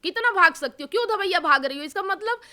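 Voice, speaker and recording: A woman's voice: extremely high pitch, lively intonation, fast, bright, forceful tone. A middle-aged woman giving scolding advice, lecturing with stern rhetorical questions. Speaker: spiritual advisor. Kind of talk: scolding counsel.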